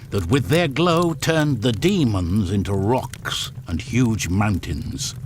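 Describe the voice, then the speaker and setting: A man voicing a solemn, reassuring tribal shaman who teaches in an unhurried manner, in a video game story. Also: medium pitch, slight background noise. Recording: music under the voice.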